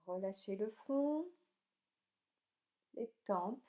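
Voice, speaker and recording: A woman leading a guided yoga relaxation, speaking calmly and soothingly in short, gentle instructions with pauses between them. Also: medium pitch. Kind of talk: slow guided meditation narration.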